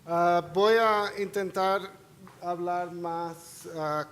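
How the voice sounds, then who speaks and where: A man's voice: high voice, fairly even intonation, drawn-out words, fairly bright tone, slight background noise. A man giving an academic seminar talk in Spanish, which is not his first language, with many restarts and fillers. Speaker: seminar speaker. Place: conference hall.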